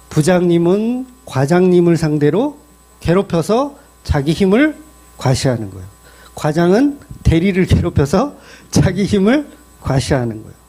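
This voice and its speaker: A middle-aged male pastor preaching a sermon in a lively, joking way, with many questions to the congregation. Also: fairly high pitch.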